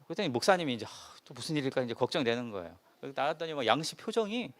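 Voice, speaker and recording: Male pastor, mid-pitched, animated storyteller with a lively, swinging pitch. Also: rapid-fire. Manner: animated storyteller with rhetorical questions to the congregation. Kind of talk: sermon storytelling. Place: church service.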